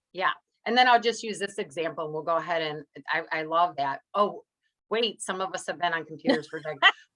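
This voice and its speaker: With an American accent, a woman speaks at a fairly quick pace, her fairly low pitch varying in an ordinary way. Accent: slight accent, once likened to New York. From Northeast Ohio. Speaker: workshop presenter. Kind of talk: training workshop. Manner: fast; conversational, hesitant fillers.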